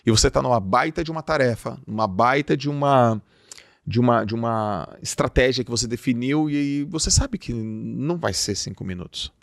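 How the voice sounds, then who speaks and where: A man's voice: medium pitch, normal speed, gravelly, no echo, studio quality. A man with a Brazilian Portuguese accent giving an emphatic motivational talk as a podcast host. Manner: emphatic, acts out quoted dialogue. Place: podcast studio.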